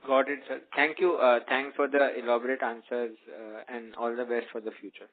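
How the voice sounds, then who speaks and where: A man's voice: medium pitch, level tone, brisk. A man asking questions as a financial analyst on an earnings call, politely and with hesitant phrasing. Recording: tinny narrowband phone line.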